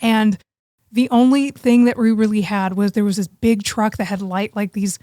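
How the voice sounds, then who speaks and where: A woman co-hosting a podcast, chatting and telling personal stories in an informal, expressive way. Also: medium pitch, moderate pace, no echo, studio quality. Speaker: podcast co-host. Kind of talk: casual chat, personal storytelling.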